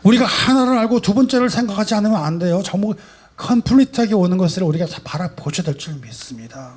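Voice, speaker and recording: Emphatic high-voiced male pastor preaching. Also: lively intonation, fast talker, slightly rough. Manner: emphatic preaching, rhetorical questions, swings from soft to loud. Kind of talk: sermon. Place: church sanctuary.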